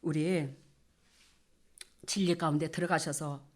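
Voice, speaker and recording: A woman's voice: deep voice, unhurried. A middle-aged woman pastor, preaching a folksy sermon and acting out scenes. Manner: folksy, animated, acts out couples' quarrels with laughter.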